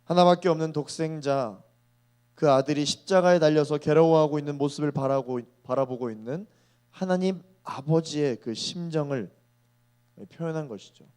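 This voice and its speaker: A man in his thirties preaching a sermon to young adults, earnest, slowing down to weigh key phrases. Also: fairly high pitch, darkish tone.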